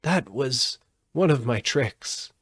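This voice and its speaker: A man's voice: mid-range voice, lively intonation, takes it slowly, slightly rough, no echo, studio quality, pitched above the performer's own voice. A man reading a storybook aloud, voicing a meek, cowardly little old humbug wizard with a trembling, pleading voice. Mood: proud explaining.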